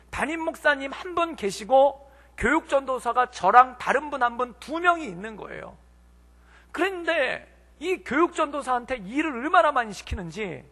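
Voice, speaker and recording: A man's voice: very high-pitched, creaky. A man in his forties, a pastor preaching a sermon in a church and telling stories with acted quotes. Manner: storytelling with acted quotes, animated. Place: church sanctuary. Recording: long reverb of a church hall.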